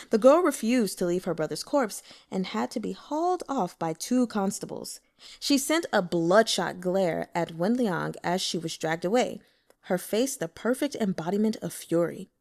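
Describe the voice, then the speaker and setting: A woman reading scripted fiction aloud as an expressive audiobook narrator. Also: medium pitch.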